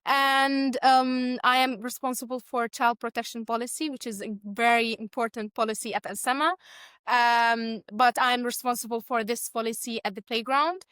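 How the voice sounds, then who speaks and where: An eighteen-year-old woman from Syria with a Syrian Arabic accent, introducing herself informally in halting, simple second-language phrases. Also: a little high, steady tone, fairly bright tone, smooth, no room sound, clean studio sound. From Deir ez-Zor, Syria. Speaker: interview guest, student and cricket coach.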